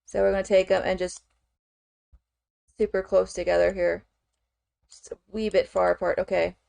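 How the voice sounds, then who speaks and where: A woman's voice: on the low side, level tone, normal speed, gravelly, a little mellow, no echo. A woman streamer chatting casually as she works, thinking aloud with frequent fillers and "okay"s. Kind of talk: casual chat while working on screen.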